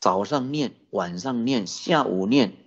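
Buddhist preacher telling a story, lively swinging pitch, husky tone, dull lo-fi sound. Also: unhurried. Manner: animated, many rhetorical questions to the audience. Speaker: Buddhist dharma teacher. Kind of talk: storytelling sermon.

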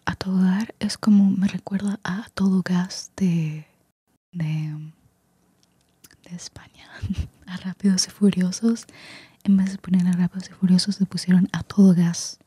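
Female ASMR whisperer, very breathy, dry close sound, a singing mic held near the lips. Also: on the low side, flat delivery, measured pace, long pauses, no echo. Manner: soft whisper mixing in English words. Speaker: vlogger teaching slang. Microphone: singing microphone close up.

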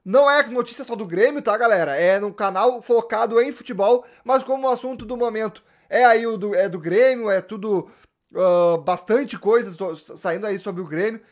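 High-voiced animated young man. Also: moderate pace. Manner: animated, gesturing, slangy, frequent restarts. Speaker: football YouTuber. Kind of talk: casual fan commentary to camera. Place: small indoor room with gaming chair.

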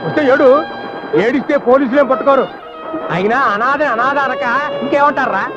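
A short-tempered uncle who barks insults in a very high voice and runs through his scolding at a quick pace. The scene is a film comedy. The sound comes from a dull old soundtrack with music running under it. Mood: contemptuous. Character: bullying, short-tempered uncle and house owner.

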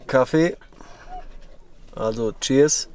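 A young man from Germany talks casually to his camera while trekking, relaxed and chatty, with plenty of fillers. His voice sits at an ordinary middle pitch. It is picked up outdoors at a mountain camp by the camera's own mic. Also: drawn-out words. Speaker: hiking vlogger. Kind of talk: casual vlog talk to camera.

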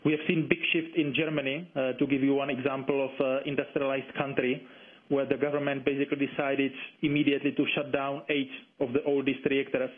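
A man's voice: medium pitch, flat delivery, brisk. A man gives explanatory interview answers over the telephone, phrasing carefully and hesitantly. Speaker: interviewed environmental campaigner. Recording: dull, band-limited phone line.

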